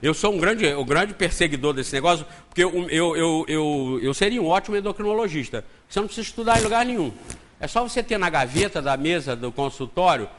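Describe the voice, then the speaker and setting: Animated Brazilian man giving a spiritist lecture. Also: fairly high pitch, fairly quick. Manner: conversational and joking, acts out dialogue. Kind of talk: spiritist lecture with homely anecdotes.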